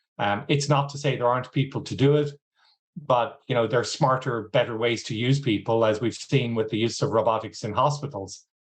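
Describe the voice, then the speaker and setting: Somewhat breathy, this speaker talks at a fairly quick pace with fairly even intonation in an Irish accent. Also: man, medium pitch for a man. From Ireland. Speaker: agtech investment executive. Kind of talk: panel interview.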